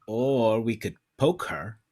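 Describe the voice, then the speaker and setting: A man's voice: medium pitch, slow pace, darkish tone. A man playing a mild, plain-spoken human computer guy in a comedy table read. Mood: mild, helpful. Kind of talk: video-call table read of a comedy film script. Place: remote video-call reading.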